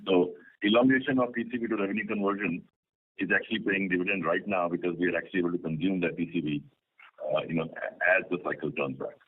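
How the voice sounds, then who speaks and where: A man with a husky voice answering as a company executive on an earnings call, explaining in business jargon over a phone conference line. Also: deep voice, fast talker, narrow, tinny audio. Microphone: telephone.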